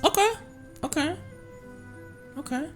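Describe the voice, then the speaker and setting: A man's voice: very high-pitched, animated, slow, soft background music. A man streaming a game with casual, playful commentary, often stammering and repeating his words as he reacts.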